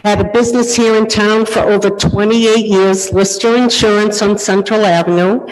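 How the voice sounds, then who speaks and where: A middle-aged woman from Medford speaking loudly and with rising passion during public comment at a council meeting. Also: mid-range voice, steady tone, moderate pace. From Medford, Massachusetts. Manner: loud, impassioned, rising to shouting. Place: council chamber. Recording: reverberant hall, distant mic.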